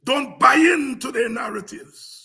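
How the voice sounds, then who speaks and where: A programme host with a Guyanese accent lectures on history with informal passion, combative and repetitive in his emphasis. The raspy, gravelly voice sits very high, and he speaks unhurriedly with a pushed, bright quality.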